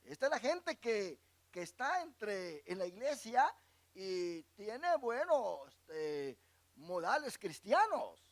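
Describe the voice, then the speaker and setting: With a high, sing-song voice and a slow pace, a male pastor teaches a Bible class. He reads verses aloud and explains them, asking the congregation questions and letting them fill in words.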